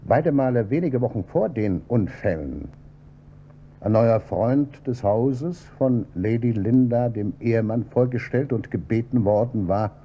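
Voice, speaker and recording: An actor playing an insistent police inspector in a German radio crime drama, questioning in a measured, pointed way. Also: male voice, medium pitch, mellow, natural voice. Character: probing male police inspector, calm and insistent. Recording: dull old radio recording with faint hum.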